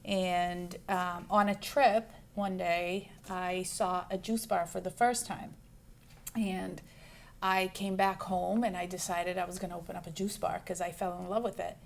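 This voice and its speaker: A woman's voice: on the low side, level tone, a little slow, vocal fry, a little hiss or hum. A woman in her forties from Brazil, a juice bar owner, answering interview questions in a chatty way, full of ums and restarts. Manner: chatty, lists things with many ums and restarts.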